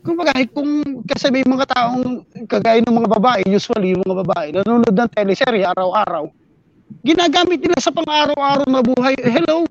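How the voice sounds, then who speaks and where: A man's voice: very high-pitched, a little fast, creaky, dry recording, dull audio. A man co-hosting a casual talk show, mixing English phrases into his speech and often asking "di ba". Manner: mixes English into talk, repeats "di ba". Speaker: podcast co-host. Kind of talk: casual chat.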